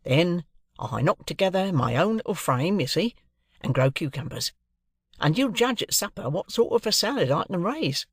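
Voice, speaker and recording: A man voicing a cheerful, proud middle-aged male clerk, talking brisk and earnest in a raised voice. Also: sits high, big pitch swings, breathy edge, no room sound, studio quality, voice pushed up, heavily acted.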